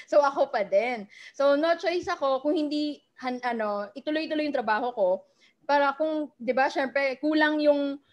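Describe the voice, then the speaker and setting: A woman with a Filipino accent telling her personal story over a video call, chatty and always asking her listeners "right?". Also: high voice. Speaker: guest speaker sharing her story. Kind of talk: personal testimony talk.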